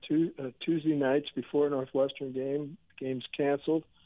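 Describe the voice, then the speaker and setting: The voice is a plain, everyday voice, moving at a fairly slow pace. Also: man. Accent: American. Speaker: former sports writer. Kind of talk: interview. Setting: phone call.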